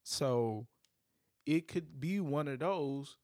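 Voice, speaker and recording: A man in his thirties co-hosting a casual chat, measured and reasoning, weighing both sides. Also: a little high, a little mellow, dry recording, studio quality. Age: 30s. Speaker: podcast co-host.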